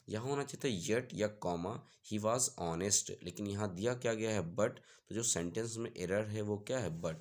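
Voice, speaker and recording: A man teaching English grammar to students in Hindi, explaining step by step and often checking with "clear?". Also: on the low side. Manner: reads example sentences slowly. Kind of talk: classroom grammar lesson.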